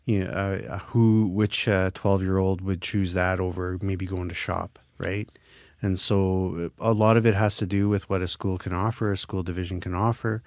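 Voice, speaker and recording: A man in his fifties from Manitoba, a former French immersion teacher, answering radio interview questions in an earnest, halting way with many filler sounds. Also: deep voice, level tone, no echo, studio quality. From Manitoba, Canada.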